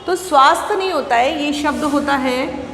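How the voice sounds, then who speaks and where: A school Hindi teacher with a fairly high, slightly bright voice speaks at normal speed, patiently explaining each point to children and answering her own questions. She seems to be in a classroom, and the roomy recording carries a long reverb tail and faint ambient noise.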